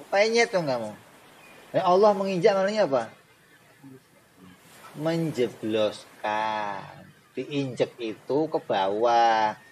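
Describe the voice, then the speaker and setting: A man teaches Islamic theology in a lively way. He fires rhetorical questions at his students and drops in joking asides. His voice sits at a middle pitch, with a faint ambience underneath. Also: slight background noise, poor audio. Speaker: religious teacher.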